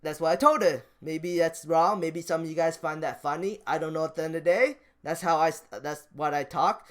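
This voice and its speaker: High-pitched, clear-voiced man rambling casually. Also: a little fast. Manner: rambling, repeats phrases, trails off and restarts. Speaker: stock market vlogger. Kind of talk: casual off-the-cuff vlog commentary.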